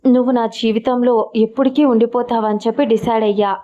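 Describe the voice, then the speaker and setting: Woman reading a playful groom, slightly high voice, muffled recording. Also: steady tone, brisk, dark tone, close to an everyday voice. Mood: teasing. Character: young man, playful teasing groom.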